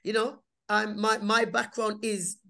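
A woman's voice: mid-range voice, flat delivery, unhurried, vocal fry, pushed and bright. A woman with a Black Country accent talks casually as an interview guest, emphatically repeating words for stress. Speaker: podcast guest, performer and writer.

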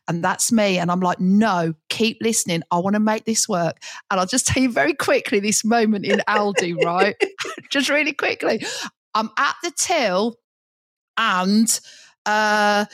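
Woman, middle-aged, lively storyteller, fairly high voice, dry close mic. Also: dry recording. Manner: lively storyteller, chatty, laughs often. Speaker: podcast co-host, teacher trainer. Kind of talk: casual chat, anecdote.

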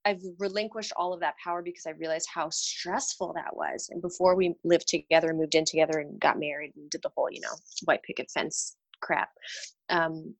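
A woman's voice: low-pitched, a little fast, rough recording. A woman from Romania, a guest on a podcast, talking candidly and with animation about her work and life. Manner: candid and animated, laughs at herself. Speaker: podcast guest, dental hygienist. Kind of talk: casual podcast interview chat.

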